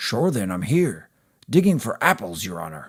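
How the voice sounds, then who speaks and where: Using a raspy, put-on character voice with very wide pitch swings, a man speaks at a moderate pace on a very clean recording with a silent background. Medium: read story. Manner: deferential.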